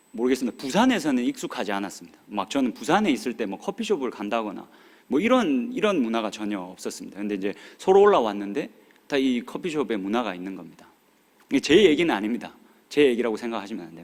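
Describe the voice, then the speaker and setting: A man talks at a very fast pace and a medium pitch. His pitch swings very widely, and his loudness swings a lot too. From South Korea, Busan. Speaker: pastor. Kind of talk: sermon. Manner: animated.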